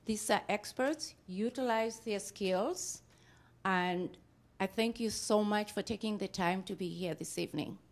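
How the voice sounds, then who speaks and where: A woman's voice: mid-range voice, unhurried. Upbeat middle-aged woman hosting a class panel. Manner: welcoming, upbeat. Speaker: class host. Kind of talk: moderating a panel. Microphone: handheld mic.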